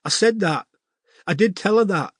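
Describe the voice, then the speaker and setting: A man voicing a troubled teenage girl with a northern English accent, talking in a halting, confessional way. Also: mid-range voice, no echo, studio quality, voice pushed up, natural voice. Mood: sobbing. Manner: tearful, halting confessional talk.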